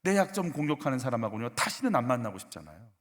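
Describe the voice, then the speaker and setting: A male pastor preaching a sermon, questioning the congregation and acting out short skits in a softer, lower voice. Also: big pitch swings, racing, big-room sound. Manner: acts out short skits, softening into a low hushed voice for quoted lines; asks the congregation questions, leads a call-and-response exercise. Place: church sanctuary.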